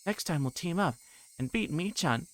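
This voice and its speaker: A man's voice: a little high, expressive, normal speed, fairly bright tone, voice pushed up. A man voicing an eerie, insistent teenage girl from a visual novel, coaxing and accusing. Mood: eerily sweet. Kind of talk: visual novel character read aloud.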